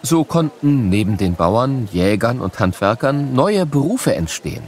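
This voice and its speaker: A man narrating a scripted educational programme for children in an explanatory, measured storytelling manner. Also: medium pitch, very animated, a little mellow.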